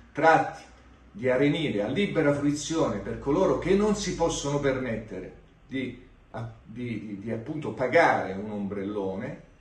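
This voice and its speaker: Audible room echo colors this man's speech. He goes at a fairly slow pace. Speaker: local politician or lawyer. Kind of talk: political statement to citizens. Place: office. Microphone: phone near.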